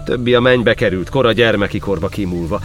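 A man's voice: lowish voice, faint music behind, lightly acted. An actor playing a humble, devout Catholic priest, reciting his memories in solemn verse in an audio drama. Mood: reverent, reminiscing. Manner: solemn, poetic declamation.

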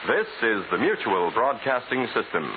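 A man's voice: mid-range voice, very animated, normal speed, very noisy. A man with an American accent announcing in polished, formal 1940s radio style. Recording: narrow 1940s radio recording. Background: music.

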